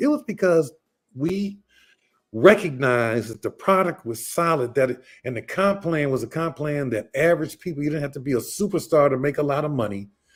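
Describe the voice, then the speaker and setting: Fairly high in pitch, a man talks at a fairly quick pace with lively intonation and an animated tone. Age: 60s. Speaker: retired network marketing entrepreneur. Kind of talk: livestream talk. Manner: animated, repetitive.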